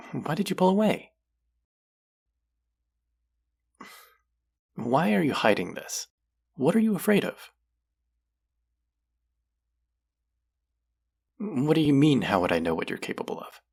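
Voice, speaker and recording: A voice actor playing a caring but gently stern clinic guide in a roleplay audio drama, soft-spoken and concerned, talking straight to a patient. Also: mid-range voice, big pitch swings, brisk, creaky, slightly rough, full character voice. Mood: alarmed, insistent. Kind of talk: roleplay audio drama, speaking softly to the listener.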